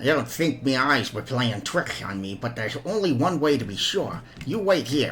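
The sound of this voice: This is a man doing a put-on character voice at medium pitch. His pitch swings very widely over clear background noise. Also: moderate pace.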